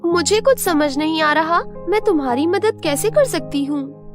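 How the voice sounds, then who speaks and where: A woman's voice: extremely high pitch, animated, normal speed, music in the background, pitched above the performer's own voice. A woman voicing a sweet, innocent young village girl full of curious wonder in a cartoon storybook. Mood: amazed, puzzled.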